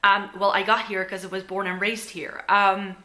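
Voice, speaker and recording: A young Dutch beauty vlogger chats casually to a camera close in front of her in her living room, her accent mixing Dutch and American. Her mid-range voice is pushed and bright, with little pitch movement, and she rambles at a moderate pace with plenty of fillers.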